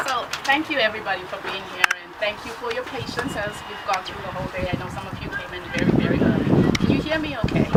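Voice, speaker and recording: Loud-voiced woman speaking to an outdoor crowd. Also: mid-range voice, animated, fast. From Zimbabwe. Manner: engaging, asks the audience questions. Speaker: nutritionist giving a workshop talk. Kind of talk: public talk to a live audience. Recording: distant mic with loud traffic noise outdoors.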